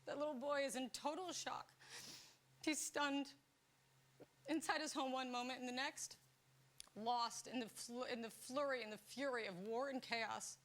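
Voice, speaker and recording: A woman delivering a broadcast news report in a measured, solemn way. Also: high voice, fairly even intonation, a bit bright.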